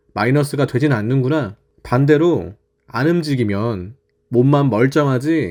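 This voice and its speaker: A man speaks in an ordinary speaking voice at a fairly high pitch. His pace is fairly slow against a quiet background. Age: 30s. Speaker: delivery rider YouTuber. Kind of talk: motivational talk to camera. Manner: earnest, direct.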